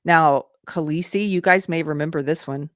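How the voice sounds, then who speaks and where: Hosting a laid-back commentary show, this woman speaks in a deep voice at a moderate pace, restarting as she thinks aloud and reading posts aloud before commenting. The sound is dry and studio quality.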